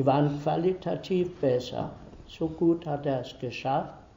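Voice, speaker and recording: Fairly high-pitched male voice with a Danish accent, fairly even intonation, audible room echo and noticeable background noise. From Denmark. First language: Danish (speaking German). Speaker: Holocaust survivor and contemporary witness. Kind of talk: lecture. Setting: university lecture hall with audience. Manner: halting.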